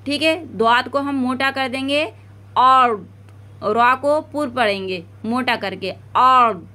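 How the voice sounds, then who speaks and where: A woman teaching Quran recitation step by step, drawing out each word slowly to model it, then explaining quickly, with a South Asian Urdu accent. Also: high-pitched, bright, forceful tone.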